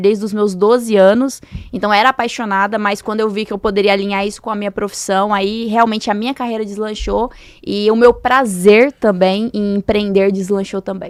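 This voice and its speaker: A woman's monotone, flat delivery at a moderate pace with a slight Goiás accent, in a very clean recording with a silent background. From Brazil, Goiás / Mato Grosso interior. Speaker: AI specialist and entrepreneur. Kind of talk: podcast interview.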